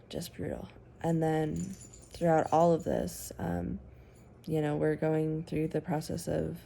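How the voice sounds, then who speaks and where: A woman giving a personal testimony to the camera, speaking in a halting, measured way with frequent pauses. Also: deep voice, gravelly, warm tone, slight background noise. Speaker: survivor sharing her story.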